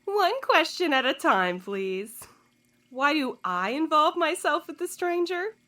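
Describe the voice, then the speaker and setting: A woman's voice: high-pitched, sing-song, measured pace, bright, forceful tone, heavily acted. A woman playing a sly, smug informant in an audio drama, taunting her interrogators with a teasing, condescending drawl. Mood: coy, condescending.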